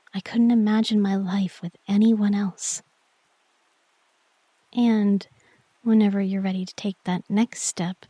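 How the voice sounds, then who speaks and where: A woman playing a shy, tender young girlfriend in an intimate romantic sleep-aid roleplay, speaking softly and breathily, often near a whisper, with gentle hesitancy. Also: mid-range voice, slightly rough, dry recording. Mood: loving, vulnerable. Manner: gentle, hesitant, intimate address to one listener.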